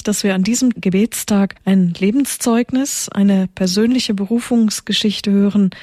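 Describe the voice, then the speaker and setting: Mellow-voiced woman hosting religious radio. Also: mid-range voice, no room sound, studio quality. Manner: formal, measured, welcoming. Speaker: radio host. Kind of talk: scripted radio introduction.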